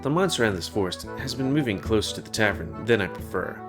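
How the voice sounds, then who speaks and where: A man's voice: on the low side, animated, quick pace, music in the background, natural voice. A man voicing a confident male tavern bartender, speaking in a businesslike, reassuring way.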